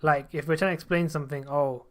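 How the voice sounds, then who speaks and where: Casual male podcast host, quick slangy delivery. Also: fairly high pitch, steady tone. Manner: fast, insistent, slangy, says "bro" and "innit". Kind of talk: casual chat.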